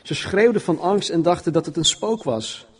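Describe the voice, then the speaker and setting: A man's voice: sits high, normal speed, slightly rough. A man preaching an informal sermon and reading Bible passages aloud, often stumbling and repeating words as he talks.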